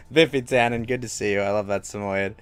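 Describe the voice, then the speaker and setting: A man's voice: fairly high pitch, fairly bright tone, smooth, no room sound, studio quality. A young man streaming games from home, chatting loosely with his chat, restarting sentences a lot. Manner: rambling, many restarts, talks to chat. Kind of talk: casual live-stream chat.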